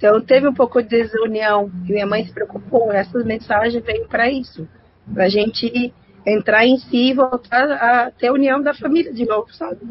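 Moderately paced speech from a woman, fairly high in pitch with ordinary variation, amid noticeable background noise. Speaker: nurse. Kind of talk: personal testimony in casual chat.

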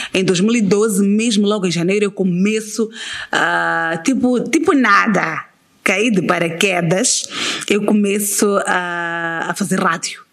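Speaking very slowly with a Mozambican accent, a woman uses a medium pitch, ordinary pitch variation and very even loudness. Noticeable background noise is present. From Mozambique, Maputo. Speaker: radio host and TV presenter. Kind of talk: interview.

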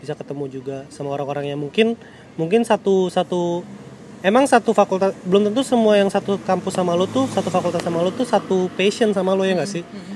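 A man speaks at a very fast pace and a high pitch, with ordinary pitch variation and noticeable background noise behind him. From Indonesia. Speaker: student and worker abroad. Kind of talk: casual chat.

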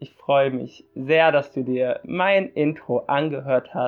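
A man's fairly high voice unfolds at a fairly slow pace. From Berlin. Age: 20s. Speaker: podcaster and YouTuber. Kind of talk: casual podcast intro. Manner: animated.

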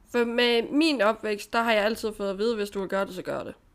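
A woman speaks at a moderate pace in a fairly high pitch with ordinary pitch variation, a normal speaking voice. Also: very clean recording, silent background. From Southern Jutland, Denmark (Sønderborg area). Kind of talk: casual chat.

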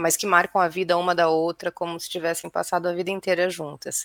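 A woman speaks with a Santa Catarina accent in a fairly low pitch. The recording is dry and close, with no echo. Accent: Catarinense Brazilian Portuguese. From Santa Catarina, Brazil. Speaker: author. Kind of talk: casual interview chat.

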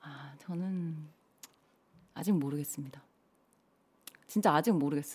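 A woman speaks in a very deep, low, somewhat breathy voice. She goes at a fairly slow pace with long, frequent pauses. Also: ordinary pitch variation. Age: 30s. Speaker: fashion model. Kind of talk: casual chat.

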